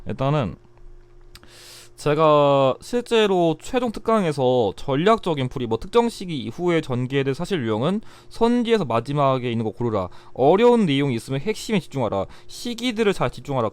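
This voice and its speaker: A man's voice: mid-range voice, a little mellow, clean tone, no room sound. A young man giving a blunt, chatty exam review lecture, still getting over a cold. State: recovering from a cold. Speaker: history exam tutor.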